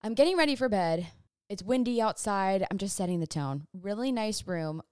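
A woman's voice: mid-range voice, animated, normal speed, a little mellow, smooth, no room sound, studio quality. A young woman in her twenties telling a long, rambling storytime to camera in casual chat, sidetracking often. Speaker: vlogger. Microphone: phone or camera on a stand.

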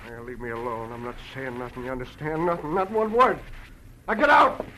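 An American actor playing a scared, beaten-up but stubborn small-time informant in a 1940s crime radio drama, pleading and defensive in rough grammar. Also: male voice, medium pitch, fairly quick, bright, forceful tone, lightly acted. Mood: scared, defiant. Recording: noisy old-time radio recording.

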